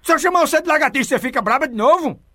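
Homem nordestino passando trote, voz aguda e brilhante, provocador. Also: male voice, very high voice, animated, rapid-fire, bright, forceful tone, no room sound, studio quality. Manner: teasing, laughing, provoking. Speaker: prank caller host. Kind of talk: prank call.

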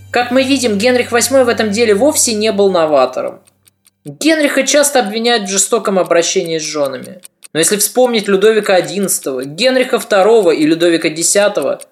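A woman narrating a history podcast in a measured, reflective storytelling manner. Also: mid-range voice.

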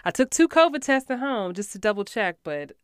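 A woman's voice: on the high side, very animated, brisk, clean tone, dry recording, clean studio sound. A woman hosting her podcast in casual chat, a little stuffy from a cold, upbeat with lots of fillers. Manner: chatty, upbeat, many fillers. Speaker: podcast host, actor coach. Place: small home voiceover booth in a former closet.

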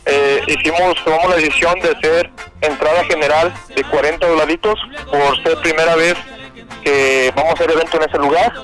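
A Mexican man speaks as a radio guest in a somewhat high voice, hesitant and nervous, stopping and restarting with fillers. Soft music plays faintly behind him. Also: steady tone, a little fast, low-quality recording. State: nervous on air. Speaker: rodeo promoter, interview guest. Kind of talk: radio interview.

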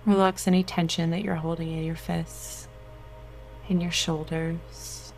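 A woman leading a slow, soothing guided meditation, giving gentle, unhurried instructions. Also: lowish voice, gravelly.

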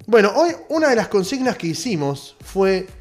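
A man with an Argentine accent hosting a radio show, joking in crude, animated casual banter. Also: high voice, moderate pace, soft background music. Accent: Argentine Spanish. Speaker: radio host.

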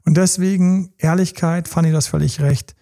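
A man's voice: fairly high pitch, moderate pace, gravelly. A man speaking as a sex coach in a conversational advice talk, emphatic and repetitive, often acting out quoted dialogue. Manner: emphatic, repeats key phrases; acts out quoted dialogue in lively voices.

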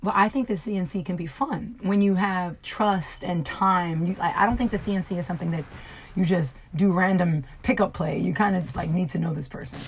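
A woman's voice: fairly low pitch, fairly quick, slightly rough. A woman co-hosting a casual, candid conversation, who explains things patiently and laughs easily. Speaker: podcast co-host. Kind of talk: frank casual chat.

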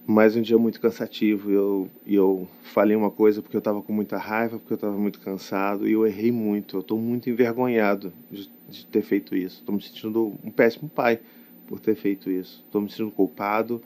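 A man with a fairly low voice and a Brazilian Portuguese accent records himself as a father sharing a confessional vlog. He talks in a reflective, hesitant way and keeps checking in with little tag questions. It is self-recorded to camera. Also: little pitch movement, a little fast, a little mellow. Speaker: father of young children. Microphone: talking to camera, self-recorded.

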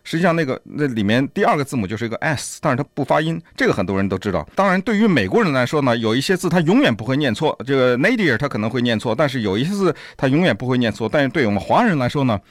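A man's voice: mid-range voice, very animated, very fast, few pauses, dry recording, studio quality. A man co-hosting a radio talk show, explaining points with many examples in a casual, chatty way. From China. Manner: explains with many examples, chuckles at language traps. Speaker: radio co-host.

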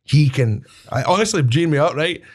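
A man with a Scottish accent telling animated, swearing-laced stories as a wrestler guest in casual chat. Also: a little high, normal speed, slightly rough. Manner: animated, swears, laughs at his own stories.

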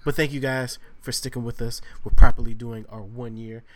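A man's voice: mid-range voice, steady tone, normal speed. An American man from Virginia hosting a casual podcast, chatting in a slangy, joking, opinionated way. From Virginia, United States. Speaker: podcast host.

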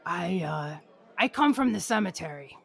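A woman playing a bumbling female zombie who talks in halting broken English. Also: lowish voice, lively intonation, creaky, noisy background. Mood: awkward. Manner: halting, broken phrasing, sudden loud outbursts. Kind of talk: improv comedy sketch.

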